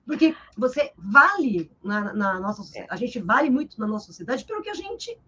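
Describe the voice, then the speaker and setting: A woman teacher with a Brazilian Portuguese accent, explaining literature in a live interview over a video call, in a lively, explanatory way that keeps checking in with her listener. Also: fairly high pitch, normal speed, breathy edge, highs cut off. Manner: lively and explanatory, tags sentences with "né?".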